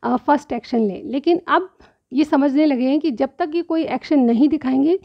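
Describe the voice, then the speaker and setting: Tarot reader: woman, high chatty voice, slightly sore throat, dull lo-fi sound. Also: moderate pace. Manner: chatty, keeps asking "theek hai?". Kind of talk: direct-to-viewer tarot reading.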